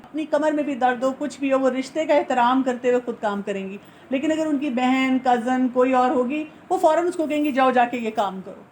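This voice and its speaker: Woman with a high voice, earnest counselor giving advice to a listener, answers her own questions, faint hiss behind her. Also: a little mellow. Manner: mixes English phrases into her talk; earnest and instructive. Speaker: family counselor. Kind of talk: advice talk.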